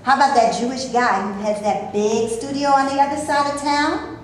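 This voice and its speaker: A woman's voice: high-pitched, level tone, moderate pace, lightly acted. A woman playing a wry, wary 1930s Black actress. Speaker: actor in a staged reading. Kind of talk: staged play reading. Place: stage before a live audience. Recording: very echoey room, faint noise.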